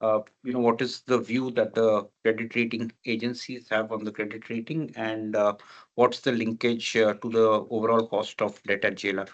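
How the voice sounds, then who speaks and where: Polite, halting male conference call moderator. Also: lowish voice, little pitch movement, lo-fi sound. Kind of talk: reading out analyst questions.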